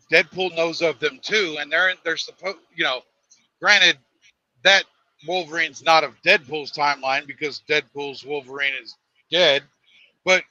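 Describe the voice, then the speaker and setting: A man co-hosting a casual chat over a call that keeps breaking up on a bad signal, talking in halting restarts. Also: fairly high pitch, pushed and bright, no room sound. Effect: call audio breaking up on a bad signal. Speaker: podcast co-host calling in. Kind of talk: casual pop-culture chat. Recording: dull lo-fi call audio, dry.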